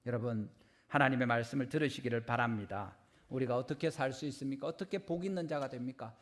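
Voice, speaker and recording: A man's voice: medium pitch, fast talker. A middle-aged man, preaching a Sunday sermon earnestly and often retelling conversations in quoted lines. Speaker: pastor.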